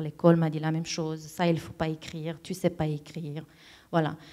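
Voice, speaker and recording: In a Romanian accent, a woman speaks with a fairly low pitch and a dark, mellow tone. Her pace is moderate, and the recording is very clean, with a silent background. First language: Romanian (speaking French). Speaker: playwright and stage director. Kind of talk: interview. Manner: halting, many repetitions.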